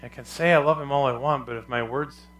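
A male pastor preaching a sermon with a loud, carrying voice and emphatic, repetitive phrasing. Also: medium pitch, steady tone, fast, a little hiss or hum, poor audio.

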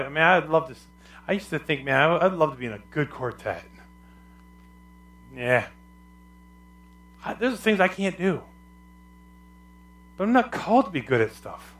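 A male pastor delivering a weekly sermon, his loud voice carrying across the congregation. He speaks a little higher than most men and builds his points through emphatic repeated phrases.

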